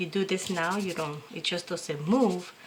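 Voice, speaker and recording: A woman talks with a non-native accent. Her pitch sits fairly low. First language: not English. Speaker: art YouTuber. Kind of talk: casual tutorial. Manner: halting, many fillers.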